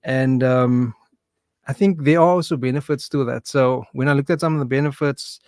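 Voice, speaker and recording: A man in his forties co-hosting a radio show, talking in a relaxed, reflective way with lots of fillers and a habit of saying "man". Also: mid-range voice, normal speed, dry recording, clean studio sound. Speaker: radio co-host. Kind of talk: casual studio radio chat. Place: radio studio.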